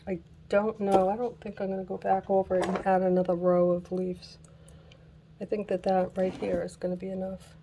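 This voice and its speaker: A woman hosting a casual craft tutorial who is losing her voice, chatting slowly while she works and laughing at her own mishaps. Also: medium pitch, little pitch movement, gravelly, warm tone, a little hiss or hum. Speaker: craft channel host.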